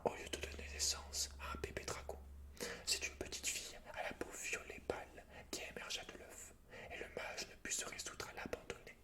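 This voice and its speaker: A man hosts an ASMR gaming video entirely in a whisper. His delivery is breathy and unvoiced, with a soft, informal intimacy, as if addressing one listener directly. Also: normal speed. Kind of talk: whispered ASMR, chatting and reading game lore aloud.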